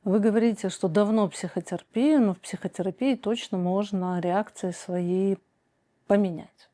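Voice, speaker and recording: Mellow-voiced woman giving slow, measured advice. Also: mid-range voice. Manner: slow, deliberate, many pauses and hesitations; reads viewer questions aloud, then answers directly. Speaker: psychoanalyst answering viewer questions. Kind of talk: calm measured advice monologue.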